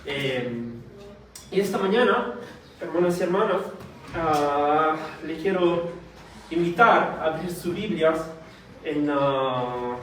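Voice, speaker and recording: A man's voice: fairly high pitch, expressive, slow pace, pauses often. A shy man born in Italy, a Spanish speaker, preaching hesitantly with many fillers and restarts. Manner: soft-spoken, shy. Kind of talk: sermon with prayer. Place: church hall. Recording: distant mic in very echoey hall, faint noise.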